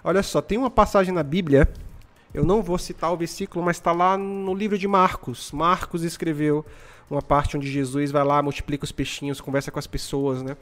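Young Brazilian man, high voice, rapid slangy talk, animated storyteller. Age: 20s. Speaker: live-stream host. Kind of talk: casual motivational chat.

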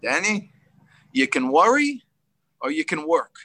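Stern older father, French Jewish accent, blunt, low, put on by a man telling a story. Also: sing-song, a little slow, bright, forceful tone, full character voice. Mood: stern advice.

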